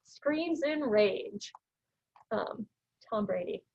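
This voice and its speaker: A woman's voice: mid-range voice, lively intonation, very slow, creaky, darkish tone. A woman in her thirties, a college instructor giving a casual classroom lecture, chatty and full of "you know" fillers. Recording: dull lo-fi lecture recording.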